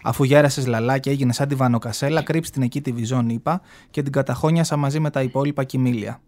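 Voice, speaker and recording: A man's voice: mid-range voice, fairly even intonation, darkish tone, lightly acted. A flamboyant aging gay man tells his life story with sass and mockery, as a man reads him from a novel. He sounds proud and brash. The reading is heard from a radio studio. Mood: sassy. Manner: sassy, mocking, storytelling.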